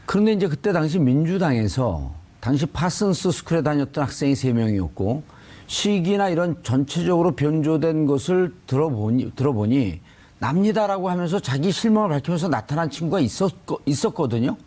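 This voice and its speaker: Animated male host with a mellow, higher voice. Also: brisk. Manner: probing, poses pointed questions. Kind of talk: panel discussion of political news.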